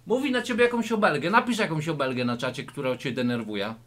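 Man, comedic fake fight-school lesson, fairly high voice, faint noise behind, mock-serious, lecturing. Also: fast talker. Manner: big jumps between loud and quiet delivery. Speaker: YouTuber. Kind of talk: comedic mock martial-arts lesson to camera. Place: indoor room with a low ceiling.

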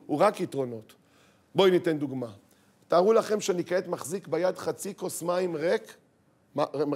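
Man, rabbi, lively sermon, high voice, rhetorical questions, acts out quoted voices. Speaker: rabbi giving a talk.

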